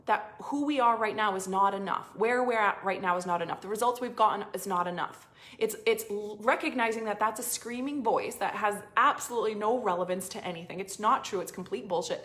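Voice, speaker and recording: A woman's voice: mid-range voice, a bit bright. A woman business coach giving a motivational talk, repeating phrases for emphasis and sometimes dropping to a near-whisper.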